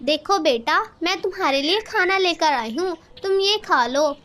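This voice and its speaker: A woman's voice: extremely high pitch, animated, moderate pace, a bit bright. A woman voicing a kind, brave female sparrow in a cartoon story, caring and firm.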